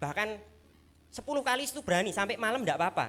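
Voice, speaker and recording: A woman speaks very fast in an animated, shrill tone with vocal fry. Her pitch swings very widely. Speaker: preacher. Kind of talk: sermon. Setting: church service.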